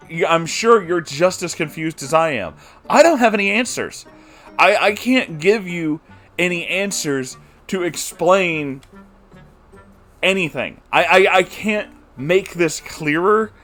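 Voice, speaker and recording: Exasperated man slowly recapping a book. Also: high voice, fairly bright tone. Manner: exasperated, incredulous, laughing asides. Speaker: book reviewer.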